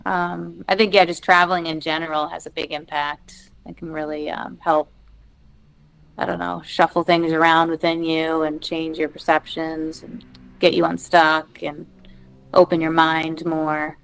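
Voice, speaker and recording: Smooth-voiced woman from Massachusetts. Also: low-pitched, level tone, a little slow, fairly bright tone, low-quality recording. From Massachusetts, United States. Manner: thoughtful and hesitant, with many fillers. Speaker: podcast guest. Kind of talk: casual interview chat.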